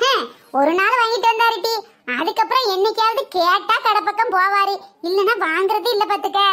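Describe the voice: A woman's cartoonish character voice, pitched extremely high, holds a very even loudness throughout. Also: moderate pace, ordinary pitch variation.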